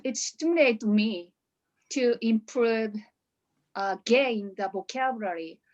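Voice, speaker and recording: A woman's voice: on the high side, slow, lo-fi sound. A woman from Japan with a Japanese accent, giving a hesitant graduation speech with many restarts over a video call. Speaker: coaching graduate.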